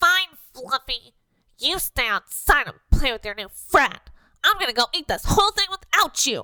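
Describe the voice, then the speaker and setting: This is a put-on character voice that sounds female, pitched high for a woman. It moves at a moderate pace with very wide pitch swings. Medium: audio drama. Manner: soft, lacking authority.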